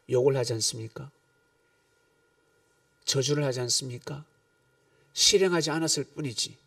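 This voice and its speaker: A middle-aged man preaching a sermon, telling stories with animated swings between calm teaching and loud bursts. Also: mid-range voice, creaky, dry recording, distant mic. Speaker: pastor.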